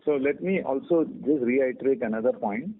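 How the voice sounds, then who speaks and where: A man with an Indian accent, an executive answering questions in a measured, deliberate way over a narrow phone line. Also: mid-range voice, a little hiss or hum. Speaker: company executive.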